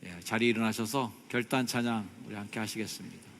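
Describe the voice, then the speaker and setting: A middle-aged man preaching from the pulpit with a gravelly edge to his voice. His delivery is animated, jumping from loud exclamations down to soft, prayerful murmurs. Long reverb rings around him in a big church sanctuary. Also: fairly low pitch, quick pace, slight background noise. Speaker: pastor. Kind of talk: sermon.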